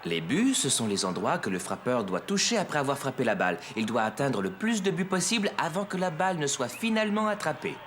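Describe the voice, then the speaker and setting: Lively, gentle cartoon dad. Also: male voice, mid-range voice, fairly quick, hardly any pauses, faint music behind. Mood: encouraging. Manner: kindly, explanatory, expressive. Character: gentle, patient young father of small children. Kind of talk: children's cartoon dialogue.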